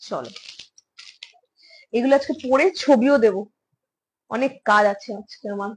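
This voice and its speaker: A woman with a high voice talks through a casual home showcase of jewellery pieces. She is chatty, repeats her phrases and slips English words into her speech. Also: a little slow, breathy edge, poor audio. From India. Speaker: jewellery seller. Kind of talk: casual live product showcase.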